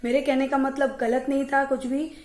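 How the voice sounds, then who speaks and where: Brief: young woman vlogger, bright high voice, chatty and animated, echoey room at home. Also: moderate pace. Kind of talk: casual chat to camera. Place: at home, indoors.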